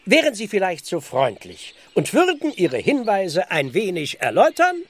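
A creaky, blustering village constable. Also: male voice, high-pitched, huge pitch swings, normal speed, heavily acted. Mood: exasperated. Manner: blustering, exasperated. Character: flustered, officious village police constable, impatient. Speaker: actor playing a village policeman. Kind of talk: German radio play acting.

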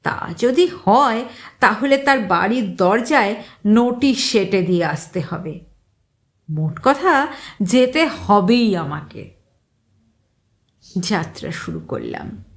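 Female storybook narrator, unhurried and measured, expressive, mid-range voice. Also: medium pitch. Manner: measured and expressive, rising on key words. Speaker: story reader. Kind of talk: first-person story narration.

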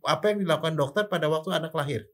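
An older man with a somewhat high voice explains things the way a doctor would. He keeps it casual, tossing out rhetorical questions and playful sound effects as he goes. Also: rapid-fire, fairly bright tone. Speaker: forensic doctor.

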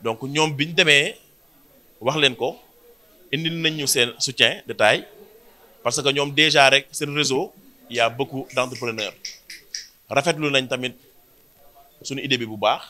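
Senegalese organizer in his thirties, bright forceful voice, steady explanatory press statement, room of mics. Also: mid-range voice. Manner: switches between French and Wolof, measured and explanatory. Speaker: event organizer. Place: indoor press room before a banner. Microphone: cluster of handheld press mics.

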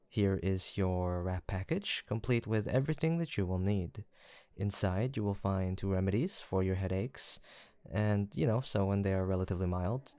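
A gentle, kindly young apothecary of a village is the role this man takes in a soft roleplay audio drama, where he speaks with formal politeness and attentive reassurance. His fairly low voice has a gravelly texture, recorded without any room sound.

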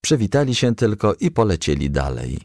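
A man reads a children's story as an audiobook narrator. His voice is fairly low with a gravelly creak, and the melody swings widely as he tells it. The sound is close and dry. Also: normal speed, no echo. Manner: animated, storytelling delivery. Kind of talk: expressive children's storybook reading.

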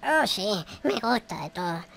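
A man's voice: sits high, lively intonation, measured pace, vocal fry, very noisy, heavily acted. A man voicing a forgetful aged survivor in a Minecraft roleplay, rambling and groaning to himself. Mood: childlike wonder. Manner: rambling, groaning, childlike wonder. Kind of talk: gaming roleplay, talking to himself.

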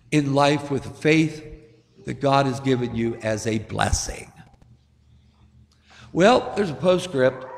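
Older priest, slightly high voice, unhurried homily, echoing church. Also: male voice. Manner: gentle, storytelling, chuckles at his own jokes. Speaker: Catholic priest. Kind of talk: sermon.

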